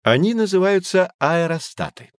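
An actor playing a patient professor who calmly explains things to children in a scripted educational audio drama. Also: male voice, high voice, moderate pace, no room sound, clean studio sound. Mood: explaining. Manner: calm, explanatory. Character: patient, knowledgeable male professor. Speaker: explaining guide in an audio encyclopedia.

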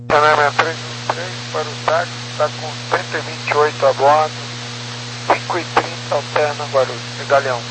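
A man, an airline pilot heard over the aircraft radio, giving terse, brisk readbacks in clipped radio phraseology. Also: fairly high pitch, little pitch movement. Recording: loud static radio hiss and hum.

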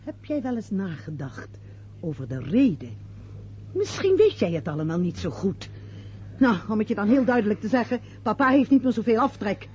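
An actress playing a domineering, practical middle-aged show-business mother and hostess in a Dutch radio play, with a brisk, theatrical manner. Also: mid-range voice, big pitch swings, darkish tone, a little hiss or hum, natural voice. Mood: sharp, reproachful. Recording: dull lo-fi radio play recording.

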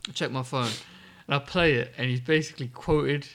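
A man's voice: medium pitch, a little fast, fairly bright tone. A man in casual podcast chat, laid-back, swearing a lot and laughing often.

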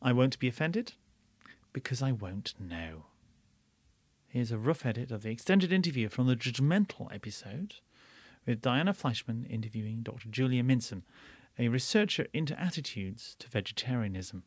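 A man's voice: mid-range voice, animated, moderate pace, slightly rough, no room sound. Man hosting a podcast, dry close sound. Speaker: podcast host. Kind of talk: podcast announcement.

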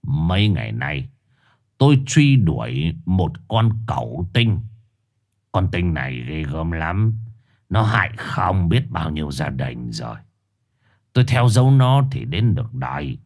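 A man voicing a sly old male shaman who lectures sternly and insists with a husky voice. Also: very deep voice, big pitch swings, measured pace, darkish tone, pitched below the performer's own voice, full character voice. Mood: stern accusing.

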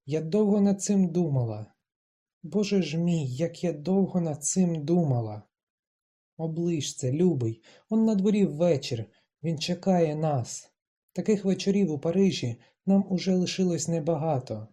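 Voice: medium pitch, expressive, unhurried. An audiobook reader voicing a proud, stubborn young woman who speaks in clipped, emphatic lines and rises into defiant outbursts. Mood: earnest. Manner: clipped, emphatic, rising to shouts.

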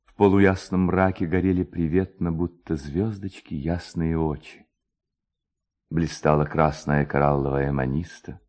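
A man reading classic prose as a narrator, in an expressive, lyrical and measured storytelling manner. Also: low-pitched. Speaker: literary narrator.

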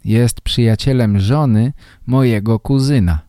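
A man voicing a calm, helpful male village teacher in a slow read-aloud story for learners. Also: mid-range voice, dry recording, clean studio sound, lightly acted. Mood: reassuring.

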